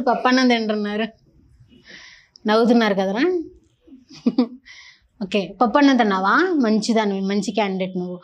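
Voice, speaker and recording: A woman interviewing children in a casual, teasing and chatty way, holding a handheld mic. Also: mid-range voice. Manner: playful, teasing, chatty with kids.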